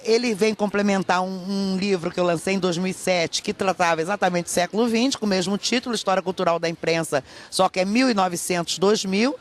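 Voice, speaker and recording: A middle-aged Brazilian woman, an academic guest giving emphatic, explanatory interview answers in Portuguese with rhetorical check-ins. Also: medium pitch. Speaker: academic guest, professor and author. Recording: clear ambient background noise.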